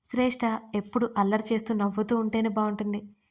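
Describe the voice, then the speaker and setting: A woman voicing a caring young husband who speaks calmly and teases gently. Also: high voice, quick pace, close to an everyday voice. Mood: caring, teasing.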